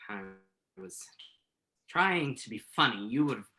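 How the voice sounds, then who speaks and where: A woman's voice: very deep voice, expressive, takes it slowly, bright, forceful tone, soft background music, heavily acted. A woman acting the part of an emphatic, wounded male writer in a staged play reading. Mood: joking, awkward. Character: male writer Tim, pen name Tuck, joking, wounded, insistent.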